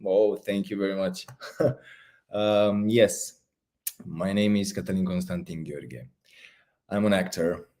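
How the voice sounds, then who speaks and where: A deep-voiced man in his thirties with a Romanian accent talks over a video call. He is polite and a bit nervous and often pauses with an "uh." His low tone stays warm and gracious. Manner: polite, slightly nervous, hesitant, with fillers. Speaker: guest actor.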